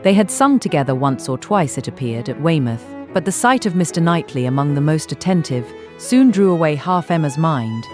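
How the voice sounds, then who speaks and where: A woman reading literary narration in a measured, formal way as an audiobook narrator. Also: low voice, a little mellow.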